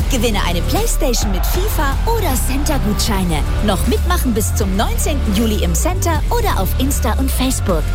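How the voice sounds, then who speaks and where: A woman reading a radio ad in an upbeat way. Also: on the high side. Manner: upbeat ad read. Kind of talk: radio ad voice-over. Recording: loud music bed behind.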